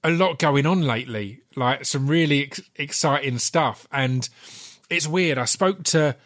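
A man's voice: a little high, measured pace, a bit bright. Essex-accented man hosting a casual podcast. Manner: stammering repeats of words, sweary. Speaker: podcast host. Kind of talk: casual chat interview. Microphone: podcast mic in a remote video call.

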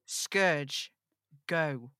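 A woman's voice: sits low, drawn-out words, pushed and bright, clean tone, no room sound, clean studio sound, exaggerated voice. A woman playing a burdened, defiant young male broadcaster in an audio drama table read, snappish and sarcastic. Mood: irritated, defiant.

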